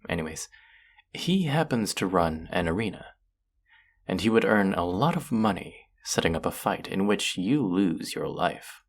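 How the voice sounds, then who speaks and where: A voice actor plays a cruel alien collector who coos over a captive as if over a treasure. The voice sits low and crackles with gravel, husky at the edges. The delivery is slow, condescending and savoring, often sinking toward a whisper in this intimate sci-fi roleplay. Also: heavily acted. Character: cruel, covetous alien collector-artist feigning kindness to a captive. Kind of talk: dramatic second-person audio roleplay monologue.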